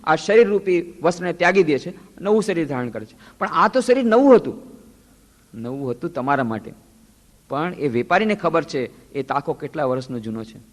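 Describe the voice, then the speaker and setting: A monk giving a spiritual discourse, telling stories and acting out the voices of the people in them. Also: male voice, fairly high pitch, big pitch swings, moderate pace. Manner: storytelling, acting out quoted voices. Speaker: monk giving a lecture series. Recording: long hall reverb.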